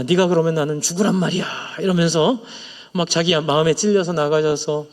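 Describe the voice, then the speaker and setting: In a church sanctuary, a male pastor with a high voice preaches earnestly, sharing personal confessions and leading the congregation in prayer. The sound has a big-room quality.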